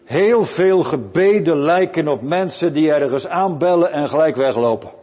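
A man preaching a sermon, earnestly questioning his listeners and rising from quiet to loud pleading. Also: on the high side, lively intonation, moderate pace. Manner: addresses listeners with direct questions. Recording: lo-fi recording with long church reverb.

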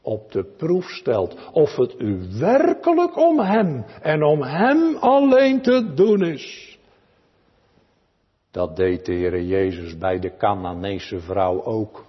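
Husky Dutch preacher pleading slowly. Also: male voice, medium pitch, sing-song, in a large hall, lo-fi sound. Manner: pleading, swells and drops dramatically. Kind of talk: Reformed sermon. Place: church.

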